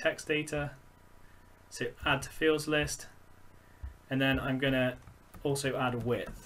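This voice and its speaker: Pausing long and often, a man speaks with monotone, flat intonation. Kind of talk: tutorial. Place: home room. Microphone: webcam.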